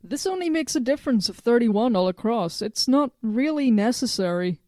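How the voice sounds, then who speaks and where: A woman playing a self-conscious, grumbling female robot in an audio drama, deadpan and reluctant. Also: a little high, normal speed, no room sound, clean studio sound, close to an everyday voice.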